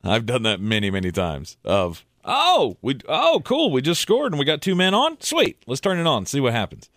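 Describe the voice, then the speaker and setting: Dry-sounding, lively man in his thirties. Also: medium pitch, normal speed, dry recording. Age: 30s. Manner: agreeable, backchanneling. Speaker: sports radio co-host. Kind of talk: sports talk radio.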